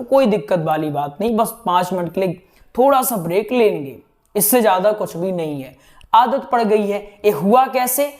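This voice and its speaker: A young man teaching would-be katha speakers in a chatty style, often checking in with his listeners. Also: high-pitched. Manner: conversational, keeps checking in with "right?". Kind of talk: teaching talk to students.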